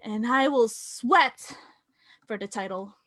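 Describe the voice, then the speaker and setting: A woman playing an arrogant, combative royal prince wrestler in a staged promo reading, pompous and measured. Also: a little high, fairly bright tone, no room sound. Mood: defiant. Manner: pompous, measured trash talk.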